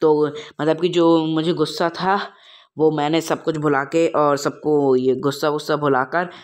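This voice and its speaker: A man teaching an English textbook chapter, reading lines out slowly and explaining them casually with many fillers. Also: on the high side, little pitch movement.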